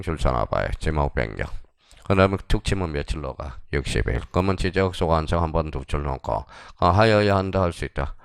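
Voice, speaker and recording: A male exam-prep lecturer with a low, gravelly voice that still rises and falls a lot as he drills the class. He fires short questions and answers them himself. The sound is dry and close. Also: no room sound.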